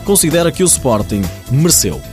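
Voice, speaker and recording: A man's voice: fairly high pitch, very animated, brisk. A man with a European Portuguese accent reading a scripted sports news report as a radio reporter, over a music bed.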